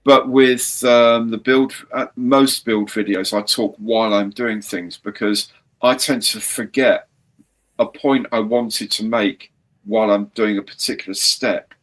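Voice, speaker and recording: A man's voice: lowish voice, fairly even intonation, measured pace, a bit bright. A man hosting a casual live-stream chat, rambling and chatty with some mild swearing. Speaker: host.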